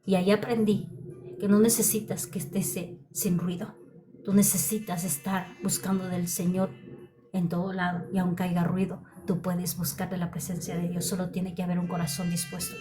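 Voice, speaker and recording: A woman's voice: lowish voice, flat delivery, normal speed, a crowd in the background. A woman preacher giving a heartfelt sermon testimony, often repeating her phrases. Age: adult.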